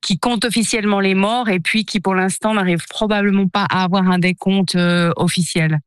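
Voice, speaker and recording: A woman's voice: mid-range voice, steady tone, fairly quick, clean tone, dry recording. A woman from French-speaking Switzerland, a radio reporter, giving a spontaneous interview report. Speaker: radio foreign editor and reporter.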